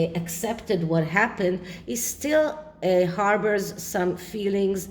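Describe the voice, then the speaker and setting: A woman with an Israeli accent at a very slow pace, medium pitch and ordinary pitch variation. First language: Hebrew. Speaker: tarot reader. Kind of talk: tarot reading. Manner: halting, many filler sounds.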